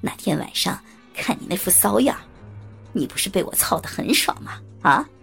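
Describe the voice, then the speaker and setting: A woman voicing a sinister, leering male blackmailer in a spoken story, with a husky, gravelly, taunting tone. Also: fairly low pitch, sing-song, normal speed, a bit bright, faint music behind, pitched below the performer's own voice, heavily acted. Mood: menacing taunt. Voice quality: gravelly, husky whispery growl. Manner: menacing, taunting, mocking.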